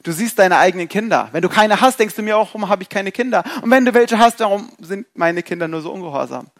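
Speaking quickly in a high-sitting voice, this preacher delivers an animated, rhetorical sermon. He poses questions to the congregation and dramatizes the thoughts going through people's heads.

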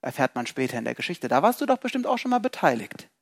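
A man preaching a sermon in a lively, rhetorical way, asking questions and acting out people's thoughts. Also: fairly high pitch, fast talker, vocal fry.

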